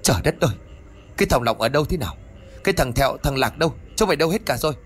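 A man's voice: a little high, animated, very fast, husky, voice pushed up. A man voicing a domineering old male landowner in a spoken ghost story, giving commands in a threatening tone. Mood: panicked.

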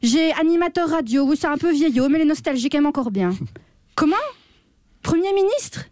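A woman playing a chatty job-center clerk who talks to an unheard caller, slightly hoarse and full of fillers. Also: high voice, expressive, brisk, a little mellow, no echo, studio quality. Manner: gossipy, talks to an unheard caller, constant "hein". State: a little hoarse. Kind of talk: comedy sketch on radio.

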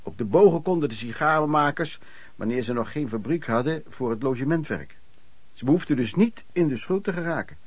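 A man's voice: a little high, expressive, a little fast, slightly rough, dry recording. An actor playing an old man who chattily recalls his drinking and lodging days in a radio play, repeating himself for emphasis. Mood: fond, amused. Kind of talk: radio drama narration, reminiscing.

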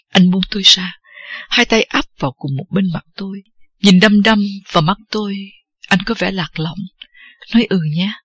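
An audiobook narrator reading a first-person novel at a steady, unhurried pace. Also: medium pitch, breathy edge, no echo, dull audio.

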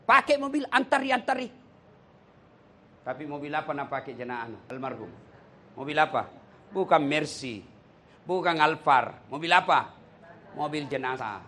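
A man's voice: fairly high pitch, moderate pace, long pauses. A male preacher giving a sermon full of stories and rhetorical questions to the congregation. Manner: animated storytelling, rhetorical questions to the audience.

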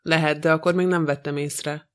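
A man's voice: on the high side, flat delivery, a bit bright, lightly acted. A man voicing a shaken widow giving hesitant, subdued testimony to a judge in an audiobook. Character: shaken widow of a murdered millionaire.

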